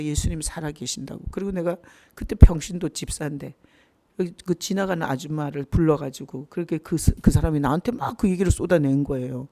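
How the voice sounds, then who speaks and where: A man's voice: on the high side, mellow. A man who is a pastor, teaching a Bible study in a conversational way, with frequent rhetorical questions and asides.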